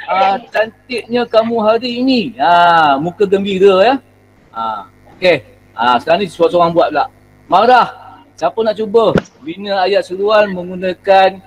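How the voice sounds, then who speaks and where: A male teacher with a Malaysian Malay accent coaxes his pupils through an online class. His voice sits high, and he fills his pauses with "ah" and "ya". A faint hiss runs under the video-call audio. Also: low-quality recording. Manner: coaxing, repeats "ah" and "ya" often. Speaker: primary school teacher.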